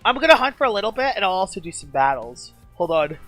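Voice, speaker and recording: A woman game streamer talking excitedly in a casual live-stream chat, gushing and chatty. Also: mid-range voice, fast, faint music behind.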